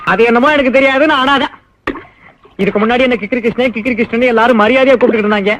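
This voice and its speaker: A man's voice: very high-pitched, fairly even intonation, rapid-fire, a bit bright, slight background noise. An actor playing a timid, idle village man who jokes and pities himself in wry, self-mocking banter, in a dull film recording with music behind. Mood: self-pitying. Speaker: comic lead actor. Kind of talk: 1990s film dialogue.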